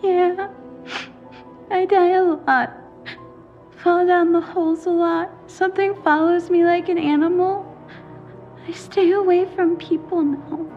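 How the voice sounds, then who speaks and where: A woman's voice: very high-pitched, steady tone, a little slow, pauses often, lo-fi sound, soft background music. A woman voicing a lost, frightened ghost girl trapped underground in a narrated horror story. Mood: lost, scared. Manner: small, frightened and confused.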